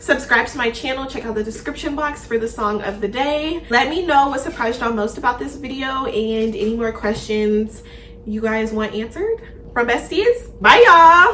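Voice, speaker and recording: In an American accent, a woman with a high pitch and ordinary pitch variation talks at a moderate pace, with audible room echo and noticeable background noise. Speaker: YouTuber, college student. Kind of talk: casual chat with friend. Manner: animated.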